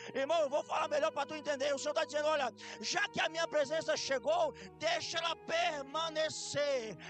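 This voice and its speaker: A moderate pace of speech with music in the background. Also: man, extremely high pitch for a man. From Brazil, Northeast (Fortaleza). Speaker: pastor. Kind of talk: sermon. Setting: church service. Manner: animated.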